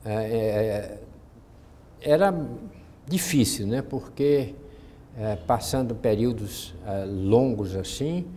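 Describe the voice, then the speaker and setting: At a very slow pace and with long, frequent pauses, a man speaks at medium pitch with lively intonation. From Goiás, Brazil. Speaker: retired judge. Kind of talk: oral history interview answer.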